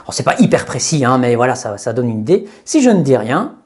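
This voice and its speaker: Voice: mid-range voice, sing-song, fast, a little mellow. A YouTuber reviewing gear in a chatty, step-by-step way with many hesitations, speaking into a lapel mic. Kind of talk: casual tech review. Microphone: lapel microphone.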